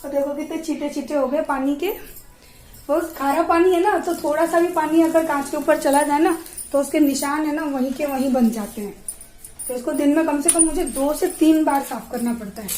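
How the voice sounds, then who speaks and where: A young woman vlogging from her home, chatting to camera and telling stories in a lively way. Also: high voice, moderate pace, echoey room, slight background noise. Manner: chatty, animated storytelling. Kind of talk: casual chat to camera. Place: at home, indoors.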